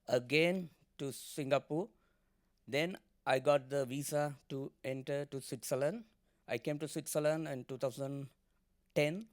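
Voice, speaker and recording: A man from Sri Lanka giving his personal testimony on a panel, speaking haltingly with many pauses. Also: mid-range voice, clean tone, no room sound, studio quality. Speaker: panelist, former journalist.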